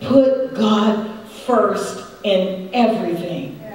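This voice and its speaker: There is strong room echo as a woman speaks with ordinary pitch variation. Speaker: preacher. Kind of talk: sermon. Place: church.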